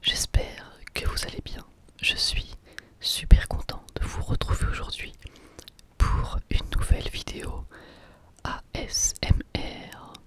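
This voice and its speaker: A man hosting a whispered ASMR video, calmly answering viewer questions in a thoughtful, explanatory way. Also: slow pace. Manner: soft-spoken, thoughtful and explanatory. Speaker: ASMR channel host.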